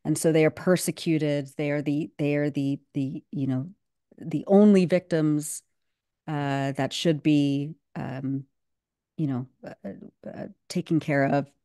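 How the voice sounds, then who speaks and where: A woman in her thirties with a low, mellow voice speaks as a guest on a video call. She talks fluently and with emphasis, full of "um" and "you know", and the sound from her home webcam is dry and close. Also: fairly even intonation, measured pace, no echo. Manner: fluent and emphatic, with many fillers. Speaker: guest commentator. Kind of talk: casual video-call discussion.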